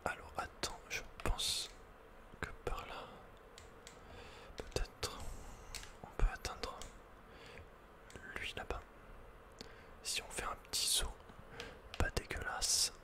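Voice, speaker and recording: A man's voice: slow pace, long pauses. A man whispering unhurriedly as he thinks aloud, hosting an ASMR video game playthrough. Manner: whispering throughout. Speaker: ASMR gamer host.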